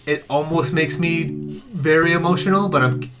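A man's voice: on the high side, normal speed. Rambling young man with music underneath. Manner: rambling, heartfelt, many fillers. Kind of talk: casual chat.

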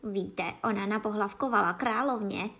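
A woman voicing a timid, anxious rabbit who talks in a hushed, hurried way in a storybook reading. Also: mid-range voice.

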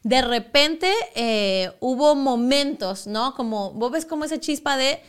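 A young woman sits for a casual interview and recounts her broadcasting days with animation. Her voice sits a little high, and she slips into the voices of the people she quotes. Her sentences restart often as she talks. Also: animated, a little slow, clear, resonant tone. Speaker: sports broadcaster, guest.

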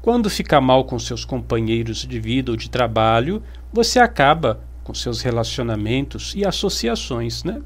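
A man's voice: mid-range voice, animated, moderate pace, few pauses. A man with a Brazilian Portuguese accent giving a motivational self-help talk, speaking emphatically and piling up repeated words as he addresses his audience directly.

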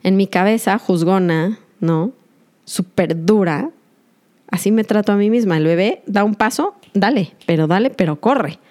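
A woman's voice: mid-range voice, moderate pace, a little mellow. A woman podcast host, earnest and confessional, speaking directly to her listeners in a reflective monologue.

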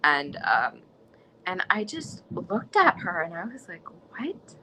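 A woman's voice: fairly low pitch, huge pitch swings, takes it slowly, sharp tone, slight background noise, poor audio. A young woman from the United States speaking in an interview, earnest and impassioned, often restarting her sentences. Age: young adult. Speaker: interviewee, student. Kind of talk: conversational interview.

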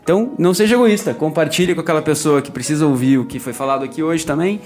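A man's voice: on the high side, fast, darkish tone, soft background music. A man with a Brazilian accent co-hosting a podcast, giving a casual motivational sign-off straight to the listener. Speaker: podcast co-host.

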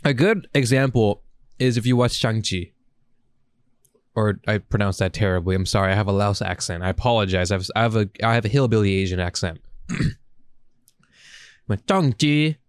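A man's voice: fairly low pitch, moderate pace, long pauses, clean tone, no room sound, clean studio sound. A man podcasting in a casual, profane chat, rambling and enthusiastic with plenty of slang. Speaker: podcast host.

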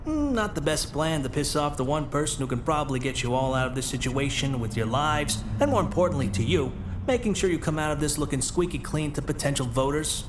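An actor playing a blunt, authoritative and sardonic police commissioner in a 1940s-style pulp radio drama. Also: male voice, a little high, lively intonation, a little fast, roomy sound, noisy background, lightly acted. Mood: dry, sardonic.

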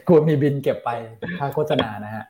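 A man co-hosting a casual market talk show, relaxed, with many agreeing backchannels. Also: medium pitch, a little fast, noisy background. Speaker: co-host.

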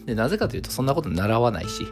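A man, hosting a solo talk radio show and calmly explaining things in a measured way, with many fillers. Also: mid-range voice, music in the background. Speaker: clinic owner and radio host.

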